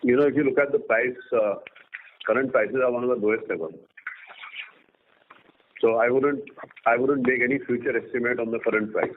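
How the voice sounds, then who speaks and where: A man with an Indian accent fields analyst questions as a company executive. He pauses often mid-sentence, and his voice comes through a narrow telephone band with faint noise and clicks. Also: mid-range voice, fairly even intonation. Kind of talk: earnings call question-and-answer. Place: conference call line. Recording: noisy phone line with clicks.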